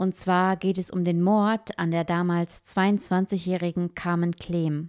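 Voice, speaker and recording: A woman at a medium pitch speaks at a very slow pace, her tone warm yet dark and mellow. The recording is very clean with a silent background and a dry, close sound with no echo. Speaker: true crime channel host. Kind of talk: scripted narration of a true crime case, with a personal aside. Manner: personal, warm, addressing the audience.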